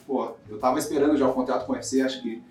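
A man from talks fast and upbeat as an interview guest. He often tags his sentences with little questions. His voice sounds distant and roomy, with music playing faintly underneath. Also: mid-range voice, fairly even intonation, darkish tone. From Brazil. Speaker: guest fighter. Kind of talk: casual interview. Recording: roomy, off-mic with music behind.

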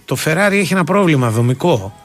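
A man's voice: on the high side, sing-song, soft background music. A man co-hosting a radio show, telling a long, rambling story full of fillers and restarts. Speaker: radio sports show co-host. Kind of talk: casual radio chat.

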